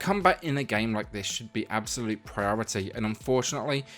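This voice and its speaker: A man's intonation is lively while music plays in the background. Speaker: game reviewer. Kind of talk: video game review narration. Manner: fast.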